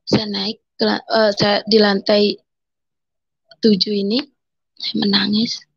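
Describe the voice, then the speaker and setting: A woman giving an emotional personal conversion testimony, telling her story haltingly and voicing her own thoughts as she speaks. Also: medium pitch, completely flat delivery, husky, dry recording, muffled recording. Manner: emotional, halting storytelling with quoted inner speech.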